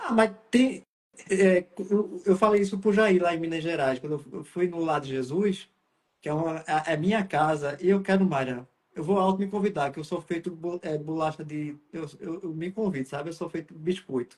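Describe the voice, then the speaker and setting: A man with a high voice talks with a northeastern Brazilian accent. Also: ordinary pitch variation, moderate pace. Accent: kept his regional northeastern. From Pernambuco, northeastern Brazil. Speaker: spiritist medium. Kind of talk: live-stream interview conversation. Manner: animated.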